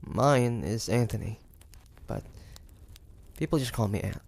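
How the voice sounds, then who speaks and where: Guy voicing a stubborn wary demon hunter for audio rp, slow n creaky, hesitant, kinda grudging. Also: mid-range voice, animated, a little mellow. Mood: awkward, curious. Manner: hesitant, grudging, halting with sighs. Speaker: voice actor. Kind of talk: intimate audio roleplay acting, addressing the listener.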